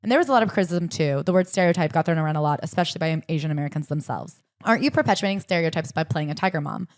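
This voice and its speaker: Young woman podcaster, low voice, talks fast, reading bits out loud, dry close sound. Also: animated, no echo. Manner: brisk, summarizing and reading quotes aloud with occasional laughs. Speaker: podcast co-host. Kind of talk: casual book-club chat with read-aloud passages.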